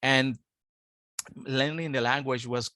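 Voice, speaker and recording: Guy in his 50s, steady and earnest, dry close sound. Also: medium pitch, slow pace, dry recording. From Colombia. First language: Spanish. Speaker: guest, international student advisor. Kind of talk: interview, telling his life story.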